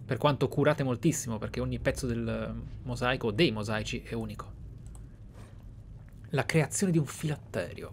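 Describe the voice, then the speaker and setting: Male gamer, mid-pitched, narrates in character, pensive and dramatic with murmured asides, noisy game background. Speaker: video game player and narrator. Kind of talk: roleplay let's play commentary, in-character musing and reading aloud. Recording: clear background noise, game ambience. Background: video game ambience.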